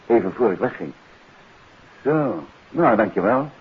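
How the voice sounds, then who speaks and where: An actor playing a composed, inquisitive detective in a 1950s radio drama, probing in a conversational way. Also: male voice, fairly low pitch, expressive, unhurried, slightly rough, heavily acted. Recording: dull 1950s radio recording, faint hiss.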